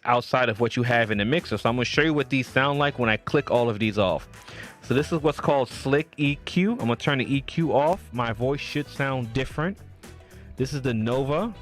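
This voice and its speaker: A man hosting a late-night live stream, chatting loosely about his streaming gear and answering viewers from the chat. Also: medium pitch. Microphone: streaming mic with audio filters.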